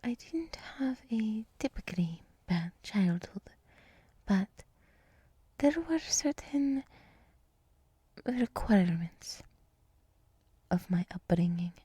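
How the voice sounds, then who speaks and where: A woman voicing a gentle, soothing deer woman who guides meditation in a whispered ASMR roleplay, speaking softly and reassuringly close to the microphone. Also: mid-range voice, lively intonation, no room sound, full character voice. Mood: earnest, tender. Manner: slow, soft, breathy, reassuring. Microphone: close microphone, dry.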